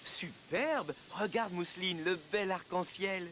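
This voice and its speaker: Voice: mid-range voice, measured pace, a bit bright, slight background noise, lightly acted. An actor voicing a cheerful, encouraging father in a French-dubbed children's cartoon, upbeat and reassuring.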